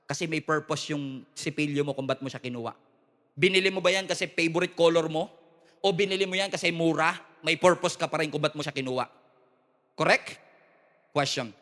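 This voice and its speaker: A man preaching a lively sermon to his church. He mixes Tagalog and English, jokes with the crowd and calls for amens. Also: a little high. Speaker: pastor. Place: large church hall with a live congregation. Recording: long hall reverb from a church.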